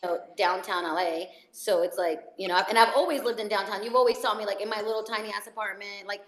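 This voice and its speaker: A woman's voice: mid-range voice, fairly even intonation, fast, fairly bright tone. A woman from El Salvador talks in a loose, casual chat and rambles along with plenty of fillers and restarts. Her voice carries a roomy echo from the space around her. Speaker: actress.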